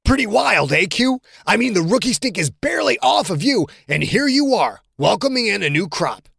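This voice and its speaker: A man's voice: high voice, sing-song, normal speed, creaky, a bit bright, slightly rough, no echo, clean studio sound, pitched above the performer's own voice, full character voice. A man voicing a cocky, wisecracking male football teammate who mocks his friend. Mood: teasing. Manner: mocking, teasing.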